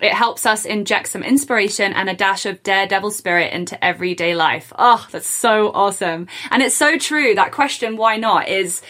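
A woman's voice: medium pitch, moderate pace, few pauses, sharp tone. Upbeat woman podcast host. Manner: upbeat and enthusiastic. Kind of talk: casual interview chat.

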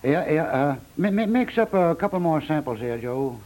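A man's voice: fairly high pitch, sing-song, normal speed, darkish tone. A man playing a flustered, placating decorating contractor who stammers and agrees, in a 1950s radio comedy. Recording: vintage 1950s radio recording.

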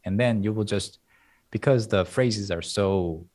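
A man's voice: lowish voice, a little slow, a little mellow. A man whose first language is Korean, speaking English in a casual interview and explaining language ideas with examples and analogies. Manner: thoughtful, explains with examples and analogies, laughs lightly. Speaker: guest, Korean language teacher.

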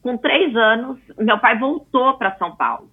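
A chatty woman in her forties from Brazil tells stories with lots of asides, her voice a little husky. The sound is thin and tinny, like a phone line. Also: fairly high pitch, unhurried. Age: 40s. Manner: chatty, animated storyteller with frequent asides. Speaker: interview guest. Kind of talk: casual interview talk.

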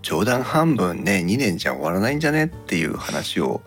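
Male podcast host, casual and jokey yet polite, deep-leaning and very expressive, light music bed. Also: moderate pace.

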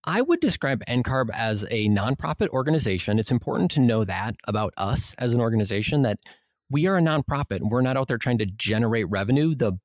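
A middle-aged man with a Minnesota accent, answering interview questions in a measured, explanatory way as a podcast guest. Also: medium pitch, big pitch swings, no room sound. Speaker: guest, vice president of an exam organization.

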